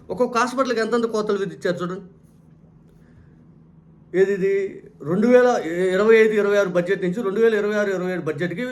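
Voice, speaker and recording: A man delivering a heated political commentary monologue, firing rhetorical questions and repeating his points. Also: sits high.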